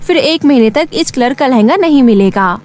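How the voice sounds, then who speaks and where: Poor, respectful young shop girl for cartoon story played by a woman; high register, music underneath. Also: animated, moderate pace, darkish tone. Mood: persuasive.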